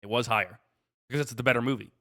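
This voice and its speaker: A man with a medium-pitched, noticeably bright voice. He acts as quizmaster on a podcast, delivering questions and scores in a casual, chatty style. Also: fairly even intonation, racing. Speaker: podcast host running a quiz.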